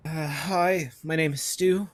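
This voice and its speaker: A woman's voice: low voice, steady tone, takes it slowly. Woman playing a meek, hesitant office worker. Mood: awkward. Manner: hesitant, awkward. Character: meek, awkward, mild-mannered human IT worker. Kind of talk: virtual table read of a comedy script.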